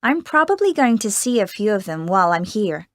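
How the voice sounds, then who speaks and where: A cheerful American teenage girl actress, voiced by a woman chats easily in a scripted exam interview. She sounds close to the mic in a dry studio, and her American accent comes through clearly. Her voice sits at an ordinary pitch. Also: big pitch swings, no echo, close to an everyday voice. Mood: chatty. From United States. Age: teens. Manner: bubbly, chatty, quick to laugh. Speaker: young film actress being interviewed.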